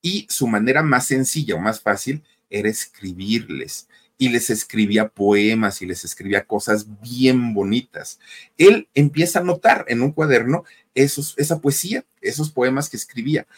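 A man's voice: medium pitch, normal speed, slightly rough. A man with a Mexican accent telling a life story in a chatty, casual way, often addressing the listeners directly. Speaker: storyteller, channel host.

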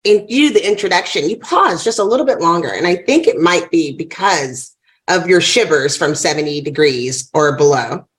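A woman hosting a podcast who welcomes listeners and trades quick, bubbly, teasing banter with her co-host and guest. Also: on the low side, expressive. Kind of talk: casual podcast chat.

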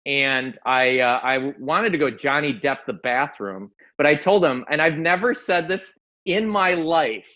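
A man's voice: fairly high pitch, a little slow. A young adult man, a golf coach, telling a story as a podcast guest, acting out the lines of the people in it and laughing as he goes. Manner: lively, quotes others in dialogue, laughs often. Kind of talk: animated storytelling. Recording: dull lo-fi sound.

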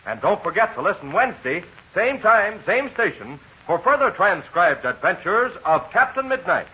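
A man's voice: high voice, very animated, normal speed, sharp tone. An American man announcing in scripted 1940s radio style, with an emphatic, chummy salesman's delivery. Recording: dull 1940s radio recording.

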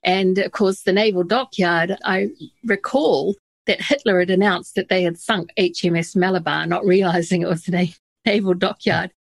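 Middle-aged woman hosting, chatty and keen, lowish voice, dry recording. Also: steady tone, moderate pace, gravelly, dry recording. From New Zealand. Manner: enthusiastic, chatty. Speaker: interview host. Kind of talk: conversational interview.

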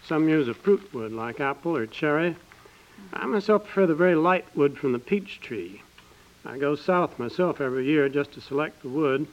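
Man acting an earnest water diviner, fairly high male voice, solemn, self-assured, formal, dull 1950s radio recording. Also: animated, normal speed, lightly acted.

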